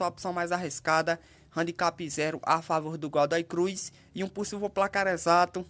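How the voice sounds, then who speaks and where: A Brazilian-accented man talks through football betting picks in a relaxed voice-over. He walks through the odds in a steady, methodical way. He keeps tossing quick tag questions to his listeners. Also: high voice. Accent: Brazilian Portuguese. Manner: ends phrases with tag questions to the audience. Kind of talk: casual voice-over over betting screens.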